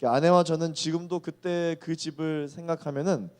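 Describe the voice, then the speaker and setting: A man in his thirties preaching a sermon to young adults, earnest, slowing down to weigh key phrases. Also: fairly high pitch, steady tone, darkish tone, clean tone.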